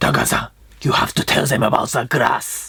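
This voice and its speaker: A man puts on a raspy, cartoonish character voice at a medium pitch and a moderate pace. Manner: melodramatic, wisecracking.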